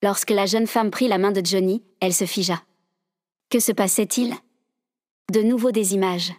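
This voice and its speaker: A woman doing the scripted narration of an audio drama in a steady storytelling manner. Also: mid-range voice, moderate pace, no room sound, clean studio sound.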